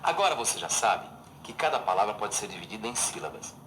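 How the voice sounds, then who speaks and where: A man's voice: lowish voice, very animated, fast, slight background noise. A man with a Brazilian accent giving scripted educational narration in a didactic way. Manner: didactic, clear examples. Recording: voice-over over loud music.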